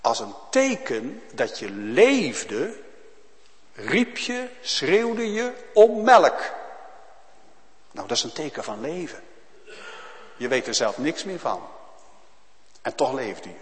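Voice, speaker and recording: A man preaching a solemn sermon as pastor to his congregation, with loud emphatic calls. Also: mid-range voice, very animated, measured pace, long pauses. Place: church. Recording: long church reverb.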